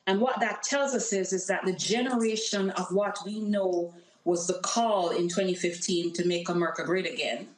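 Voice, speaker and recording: Speaking at a moderate pace in a fairly low voice, a woman with a Jamaican accent argues earnestly and emphatically for her congressional campaign. She's a guest on a remote call, heard through reverberant, low-quality call audio.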